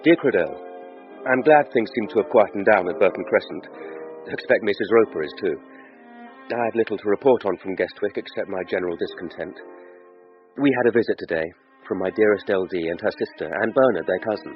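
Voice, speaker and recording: Guy doing a sulky jealous young clerk, lowish voice, music behind. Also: brisk, natural voice. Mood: brooding. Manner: blunt, brooding. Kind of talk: letter read as voice-over. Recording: dull broadcast audio with music.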